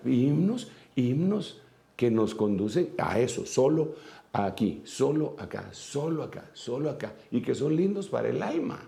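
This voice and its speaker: A man's voice: mid-range voice, vocal fry, mellow. A man from Guatemala with a Guatemalan Spanish accent, preaching an earnest sermon as an apostle, repeating phrases for emphasis.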